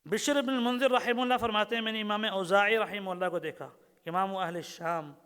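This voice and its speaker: A man's voice: high-pitched, steady tone, a bit bright, smooth, in a large hall. A man giving a religious lecture, telling stories, repeating phrases, reciting verses in Arabic and putting questions to the audience. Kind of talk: Urdu sermon lecture.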